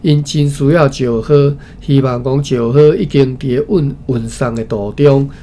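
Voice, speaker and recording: A man with a Taiwanese accent reads a historical text aloud as a study session presenter, haltingly, often repeating phrases and adding informal asides. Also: mid-range voice, steady tone, mellow. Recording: clearly noisy recording with background ambience.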